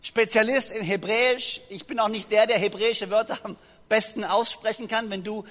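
A man preaching a sermon to a congregation, lively and joking as he speaks straight to his listeners. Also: high voice, moderate pace. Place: church hall. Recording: long reverb of a large hall.

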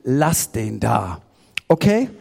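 A pastor from Germany preaching a sermon, retelling a story with lively acted-out voices. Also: male voice, mid-range voice, takes it slowly, vocal fry, breathy edge. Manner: animated storytelling, acting out the disciples' voices. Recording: hall with long reverb.

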